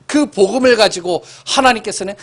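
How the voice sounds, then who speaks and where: A male pastor with a Seoul accent preaches in a church, his voice pitched somewhat high. He acts out conversations in a raised voice. He drops suddenly into hushed, nearly whispered lines. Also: fairly quick. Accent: Seoul Korean. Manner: swings from loud exclamations to hushed, whispered lines; acts out dialogue with children in a raised voice. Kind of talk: sermon. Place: church sanctuary.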